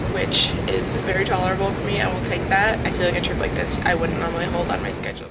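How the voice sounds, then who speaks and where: A woman talks very fast amid noticeable background noise, and audible room echo surrounds her voice. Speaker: flight attendant vlogger. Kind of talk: casual vlog.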